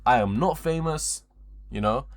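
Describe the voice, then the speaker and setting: A man's voice: mid-range voice, unhurried. A twenty-year-old man chatting casually on a livestream in a rambling, slangy, repetitive way, with frequent swearing. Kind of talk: casual livestream chat to viewers.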